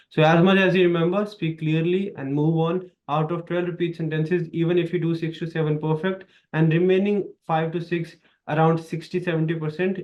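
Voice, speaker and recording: A man's voice: a little high, muffled recording. Indian man coaching exam skills. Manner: emphatic, repetitive coaching with lively hand gestures. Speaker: exam prep tutor. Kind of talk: instructional video lesson. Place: small dark studio, indoors.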